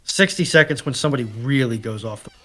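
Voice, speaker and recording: Man, medium pitch, casual chat, measured, dry manner. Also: animated, pushed and bright.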